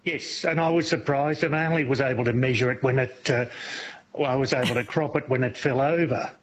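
A man calls in to a radio show. He speaks at a middle pitch in a hesitant, halting way, with many pauses. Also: a little hiss or hum, low-quality recording. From New South Wales, Australia. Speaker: radio caller.

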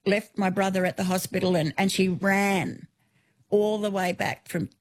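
A woman's voice: mid-range voice, fairly even intonation, normal speed. A woman in her sixties with an Australian accent, a guest in a radio interview, telling vivid stories from her life. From New South Wales, Australia. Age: 60s. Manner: warm storytelling, vivid lists, some restarts. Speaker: author and guest.

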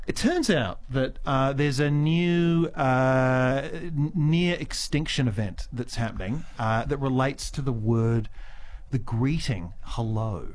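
A man co-hosting a talkback radio show in a studio, playful and self-mocking. He previews the coming segments in a relaxed, conversational way. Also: medium pitch, takes it slowly, a little hiss or hum. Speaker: radio presenter. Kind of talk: casual talkback radio chat.

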